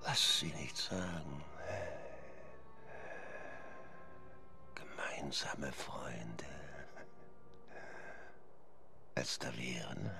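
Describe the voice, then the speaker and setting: A man playing a brooding, sinister Victorian doctor in a radio play, with measured, menacing delivery. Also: very deep voice, lively intonation, over music, heavily acted. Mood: hissing, contemptuous. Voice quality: gravelly. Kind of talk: German radio play acting and narration.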